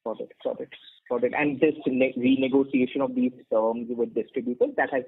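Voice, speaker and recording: A man with a husky, creaky voice, asking questions as an analyst on a conference call. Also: mid-range voice, a little fast, narrow, tinny audio, a little hiss or hum. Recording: thin phone connection.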